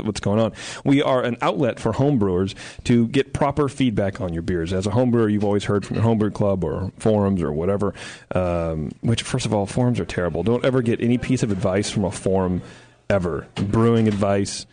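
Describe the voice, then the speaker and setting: A man's voice: fairly low pitch, quick pace, dark tone. A man hosting a studio podcast, joking and chatty and laughing often. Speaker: podcast host. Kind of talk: casual chat. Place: radio studio.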